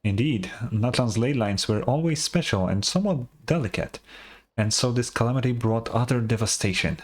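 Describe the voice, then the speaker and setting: An actor playing an earnest tribal storyteller in a video game, telling heroic legends in a measured, reverent, solemn way. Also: male voice, medium pitch, lightly acted. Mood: solemn, dramatic. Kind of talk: dramatic storytelling, scripted game dialogue.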